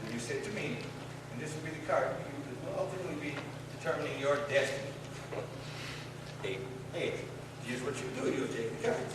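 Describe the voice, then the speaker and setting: A man playing a brash, shady Russian gypsy carnival magician, with a Russian accent and deadpan, mock-formal broken English, doing vaudeville comedy patter on stage. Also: a little high, a little fast, lightly acted. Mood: instructing, sly. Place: large theater stage. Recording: echoey theater, distant mic, noisy.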